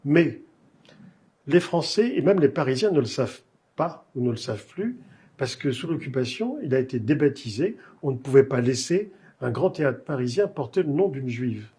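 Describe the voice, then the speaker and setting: Husky, mellow-voiced French-speaking male host. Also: medium pitch, animated. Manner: measured, digressive questioning with many fillers. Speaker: literary talk show host. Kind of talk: cultured interview conversation.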